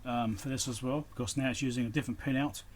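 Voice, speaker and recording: A man's voice: medium pitch, steady tone, fast, a little hiss or hum. A man giving casual, unscripted commentary while he works on electronics, muttering to himself in short, broken phrases. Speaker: electronics repair hobbyist and video host.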